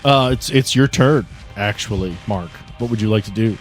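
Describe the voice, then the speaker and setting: A man's voice: lowish voice, normal speed. A man acting as game master of a tabletop game, improvising scene narration and ruling on moves. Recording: music playing behind the voice.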